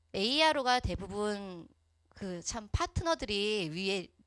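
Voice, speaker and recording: Very wide pitch swings mark this woman's medium-pitched voice. The recording is very clean, with a silent background. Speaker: network marketing speaker, Korean medicine doctor. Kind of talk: motivational talk. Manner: fast.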